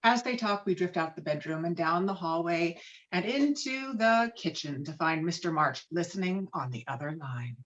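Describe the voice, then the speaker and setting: A woman's voice: on the low side, expressive, normal speed, dull audio. A woman narrating screenplay stage directions with a dramatic, emphatic read on a video call.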